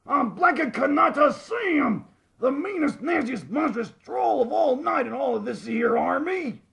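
A furious little cartoon cowboy outlaw, blusters in an American Western drawl. The voice is extremely high and full of gravel, bellowing slowly with a short fuse. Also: male voice, animated, a bit bright, exaggerated voice.

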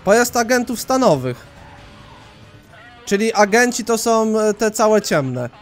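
Man from Poland, high voice, let's play commentary, excitable, rambling, faint music behind. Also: unhurried. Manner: excitable, rambling, swears casually.

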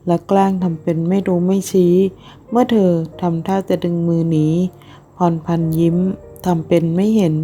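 Low gravelly woman narrating. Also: normal speed, warm tone, soft background music. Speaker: audiobook narrator. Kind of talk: scripted narration of a romance audio novel.

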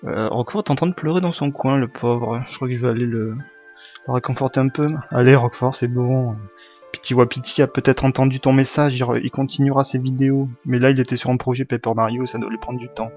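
A man's voice: medium pitch, steady tone, quick pace, darkish tone. Rambling man in casual gaming vlog. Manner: rambling, frequent filler and self-corrections. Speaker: gaming video channel host. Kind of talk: casual chat to camera. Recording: dull lo-fi with faint music.

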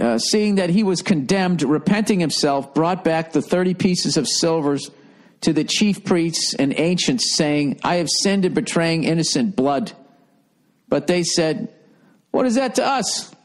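A middle-aged man reading a text aloud and breaking off into sarcastic, profane comic asides. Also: fairly high pitch. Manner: sarcastic, profane running commentary. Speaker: comedian. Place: dim study with leather chair.

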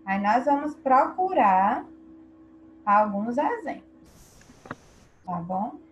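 A woman's voice: a little high, big pitch swings, very slow, highs cut off, a little hiss or hum. A Brazilian woman teaching an online class to young children, patiently quizzing her pupils. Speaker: primary school teacher.

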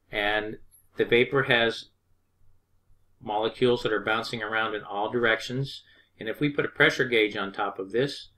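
A man, an HVAC instructor, explaining refrigerant pressure step by step over drawn diagrams in a plain, unhurried way with frequent restarts. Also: fairly low pitch, sharp tone.

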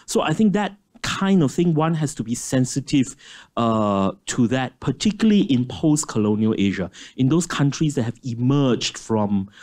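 A man's voice: mid-range voice, animated, moderate pace, a little mellow. Emphatic, sarcastic man on a panel. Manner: emphatic, impatient, mildly sarcastic. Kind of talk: conference panel discussion. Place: stage of a large auditorium.

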